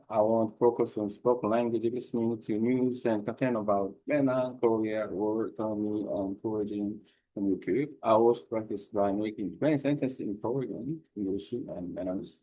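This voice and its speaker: A man learning languages who reads his study notes aloud in a careful, halting way with pauses. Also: lowish voice, warm tone, rough recording.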